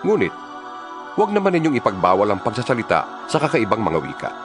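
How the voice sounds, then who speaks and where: Man acting an impassioned, animated Filipino apostle over music. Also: on the low side. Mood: stern, instructing. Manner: earnest, emphatic, preacherly, deliberate phrasing. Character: impassioned male apostle exhorting his fellow believers by letter. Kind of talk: dramatized scripture reading.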